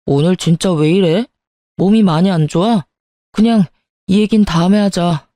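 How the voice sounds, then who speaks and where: Brief: female reader playing a grasping husband in an audio drama, dark, dry, sulky, flares up. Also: fairly low pitch, normal speed, no room sound, close to an everyday voice. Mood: indignant. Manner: sulky, accusing, turns to shouting. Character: petty, calculating young husband, quick to anger.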